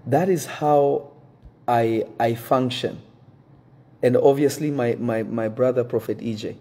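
Earnest, husky-voiced pastor, French native speaker. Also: male voice, mid-range voice, mellow. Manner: earnest, measured, restarts to pick his words. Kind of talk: direct-to-camera address to his congregation. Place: indoor room with wooden shelves.

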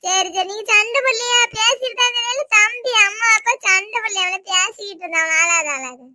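A woman with a Tirunelveli Tamil accent voicing a mother in a cartoon, scolding in rapid village talk. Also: extremely high pitch, pushed and bright, no room sound. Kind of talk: animated cartoon voice acting.

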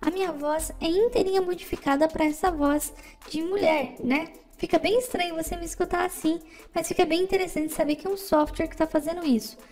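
A young woman's voice , made from a man's through a software voice changer, pitched extremely high. It explains a software demo step by step, recorded on a USB mic in a studio. The voice changer effect gives it a synthetic, uncanny edge. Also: steady tone, brisk. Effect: real-time software voice changer turning his voice into a woman's. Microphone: USB microphone.

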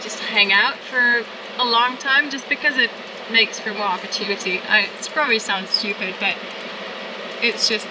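A woman in her forties, a solo sailor, chatting casually to the camera in her boat's cockpit at sea, musing with lots of "like" fillers. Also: medium pitch. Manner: relaxed, musing, many "like" fillers. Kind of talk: casual vlog talk to camera. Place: open sailboat cockpit at sea, outdoors. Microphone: handheld camera close up. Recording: distant camera mic, loud wind and engine noise.

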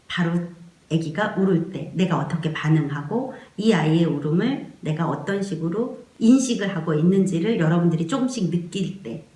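A woman's voice: mid-range voice, echoey room. A woman giving a spoken parenting lesson, explaining earnestly and acting out the soothing words she would say to a crying baby. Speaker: parenting educator.

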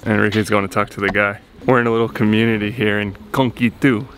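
A man's voice: lowish voice, fairly even intonation, quick pace, fairly bright tone, a little hiss or hum. A young man talking earnestly to a camera he holds at arm's length, outdoors and in a car. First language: English. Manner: earnest, talks straight to camera. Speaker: vlogger, coffee company founder. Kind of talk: casual vlog to camera. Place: outdoors on a rural road and in a car, then a village.

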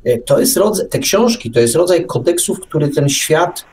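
A man's voice: on the high side, lively intonation, normal speed, darkish tone. A man hosting an unscripted radio discussion, digressing and often restarting his phrases. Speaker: radio show host and book enthusiast. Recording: distant mic with faint background noise.

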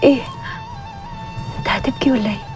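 A woman's voice: very high-pitched, huge pitch swings, quick pace, a little mellow, soft background music, heavily acted. An actress playing a frank woman pressing her lover for marriage, speaking with an Egyptian accent in a TV drama. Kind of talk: TV drama acting.

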